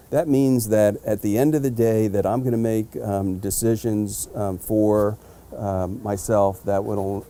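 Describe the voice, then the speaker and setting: Fairly low in pitch, the man's voice has a dark, mellow tone. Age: 60s. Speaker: business owner, former corporate executive. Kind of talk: interview. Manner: halting, many fillers.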